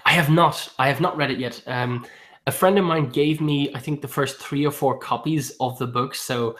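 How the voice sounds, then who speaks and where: Male book-channel host, average pitch, halting and chatty, chuckles often. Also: fairly bright tone. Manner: hesitant, many ums and restarts; laughs often while talking. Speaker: booktube host. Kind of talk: casual live-stream book chat.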